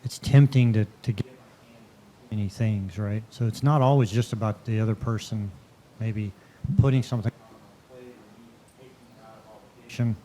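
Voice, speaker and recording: A man's voice: on the low side, fairly even intonation, normal speed, long pauses, warm tone, a little hiss or hum, low-quality recording. A man in the audience sharing a hesitant, reflective comment. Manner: hesitant, reflective, restarts often. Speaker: audience member.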